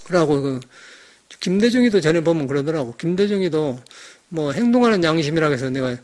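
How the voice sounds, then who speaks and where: Fast-talking high-voiced monk. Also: male voice, animated, a little mellow. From Jeolla, South Korea. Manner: rambling, emphatic, conversational. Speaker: Buddhist monk. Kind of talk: dharma talk sermon.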